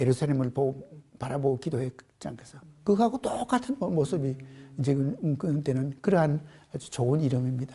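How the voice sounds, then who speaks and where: Here a man talks at a fairly quick pace in a fairly high pitch with ordinary pitch variation. His voice is somewhat breathy, with a dark, mellow tone. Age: 80s. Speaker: church elder. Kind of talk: oral history interview.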